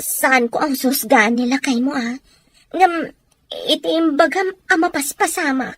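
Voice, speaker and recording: A woman's voice: sits high, steady tone, a little slow, a bit bright, no echo. A woman playing a younger woman in a family audio melodrama, speaking emphatically with a Filipino accent. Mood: confrontational. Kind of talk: Ilocano audio drama acting.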